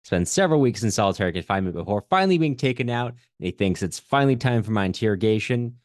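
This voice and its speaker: A man with a low-pitched voice hosts a conversational literary discussion. He thinks aloud in a halting way, working through ideas as he goes. The sound is dry and close, with little room in it. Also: animated, no echo. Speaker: podcast host.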